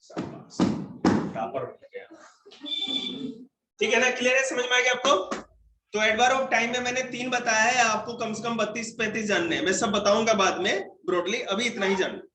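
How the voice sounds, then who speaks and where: A man's voice: very high-pitched, moderate pace, pushed and bright. A man with a Hindi accent teaching grammar to a classroom of children, joking and quizzing pupils by name. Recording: echoey room, faint noise.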